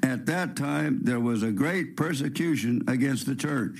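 A man with an American accent speaks with vocal fry. His intonation is lively. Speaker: radio host and preacher. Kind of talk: sermon. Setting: studio. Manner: warm.

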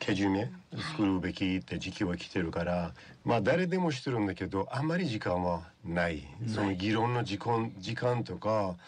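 Lively intonation marks a man's fairly low-pitched speech at a moderate pace in a Persian accent. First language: Persian (speaking Japanese). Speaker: environmental NPO head. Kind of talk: radio interview. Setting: studio.

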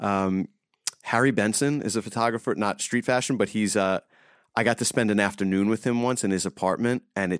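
With an American accent and a plain, everyday voice, the speaker talks at a fairly quick pace with ordinary pitch variation, captured on a very clean recording with a silent background and a dry, close sound with no echo. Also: man. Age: 40s. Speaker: street photographer. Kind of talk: casual chat.

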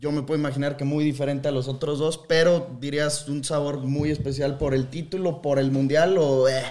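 With audible room echo, a man speaks in a fairly high, monotone, flat voice at a moderate pace with hardly any pauses. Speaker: podcast host. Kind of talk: casual chat.

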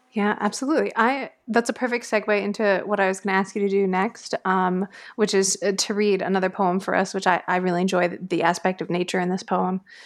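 Recorded very cleanly against a silent background, a woman with a normal speaking voice speaks at a medium pitch and a fairly quick pace, with fairly even intonation and hardly any pauses. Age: 30s. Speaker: podcast host and magazine editor. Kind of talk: interview.

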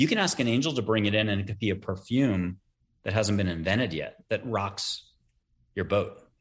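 Against a quiet background, a man with an American accent speaks somewhat breathily at a fairly low pitch, a moderate pace and ordinary pitch variation. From US East Coast. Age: 50s. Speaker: author and spiritual intuitive. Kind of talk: interview.

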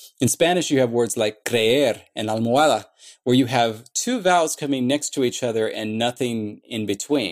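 An unremarkable speaking voice with an American accent carries lively intonation at a moderate pace. The recording is very clean, with a silent background. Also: man. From US West Coast (Orange County, California). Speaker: language creator, linguist. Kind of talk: interview, casual chat.

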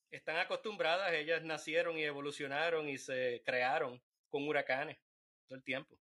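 Bright, sharp tone in a Puerto Rican accent, with ordinary pitch variation and a moderate pace. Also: man. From Puerto Rico. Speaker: biologist. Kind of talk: interview conversation.

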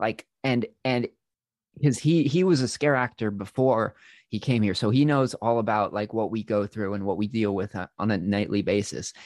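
A man with a plain, everyday voice, medium pitch, ordinary pitch variation and a moderate pace, in a dry, close sound with no echo against a quiet background. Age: 20s. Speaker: scare actor. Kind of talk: casual chat.

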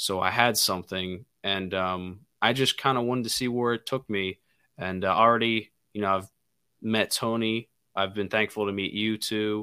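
This man speaks at a moderate pace in a fairly low voice with a bright, sharp tone and fairly even intonation, recorded very cleanly against a silent background with a dry, close sound and no echo. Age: 20s. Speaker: college student and wrestling podcaster. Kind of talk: casual chat.

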